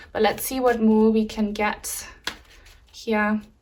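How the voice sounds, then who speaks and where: With noticeable background noise, a woman in a German accent speaks at a moderate pace, her fairly high voice monotone and flat. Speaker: tarot reader. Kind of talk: pick-a-card tarot reading. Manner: hesitant, many fillers.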